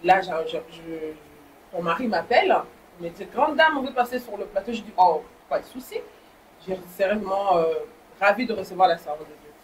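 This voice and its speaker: A Congolese woman hosts the interview, lively and given to exclamations. Her voice sits a little away from the mic, with faint noise behind it. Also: mid-range voice, brisk, distant mic, low-quality recording. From Congo (DRC). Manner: lively, exclamatory, warm welcome. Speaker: talk show host. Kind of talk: interview hosting.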